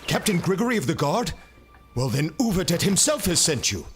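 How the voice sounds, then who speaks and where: A man's voice: on the high side, very animated, a little fast, faint music behind. A man voicing a dutiful male soldier guard, formal and courteous, while reading a tabletop game aloud.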